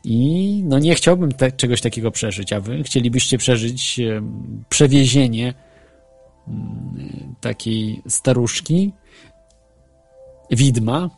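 Telling ghost stories on his internet radio show, this man speaks slowly in a gravelly, slightly mellow mid-range voice with lively intonation and long pauses. The sound has no echo, a faint music bed plays, and his casual, hesitant talk is full of fillers and restarts.

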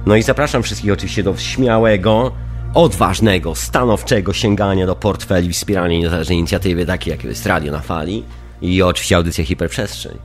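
Stuffy-nosed, low-voiced man hosting radio. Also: fairly quick, soft background music. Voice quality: stuffy, nasal voice from a runny nose. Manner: chatty, repeats phrases for emphasis. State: congested with a head cold, sniffling. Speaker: radio show host. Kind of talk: casual live internet radio hosting.

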